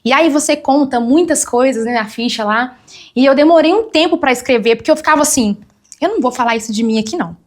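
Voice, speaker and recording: A woman's voice: high-pitched, animated, fast. A young woman, telling her testimony as a guest on a church talk show and acting out the voices of people she quotes. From Brazil.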